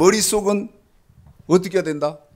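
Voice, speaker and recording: This man's voice sits high in pitch. The pitch moves in an ordinary way. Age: 60s. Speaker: pastor. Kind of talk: sermon. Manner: animated.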